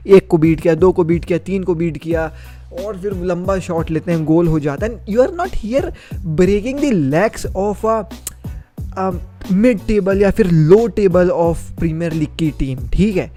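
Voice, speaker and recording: This is a young man reviewing a football match in a chatty, opinionated way. His voice sits a little high yet sounds warm and mellow. Faint music plays quietly behind him. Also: animated, slow.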